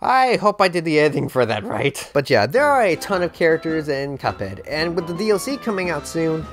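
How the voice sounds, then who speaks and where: A man's voice: fairly high pitch, sing-song, a little fast. Man in his twenties, comedic YouTube commentary, swinging intonation, rambling, self-interrupting, close handheld mic. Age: 20s. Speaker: YouTube host. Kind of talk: comedic fandom commentary to camera. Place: small bare-walled room indoors. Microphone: handheld microphone close to the mouth. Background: background music.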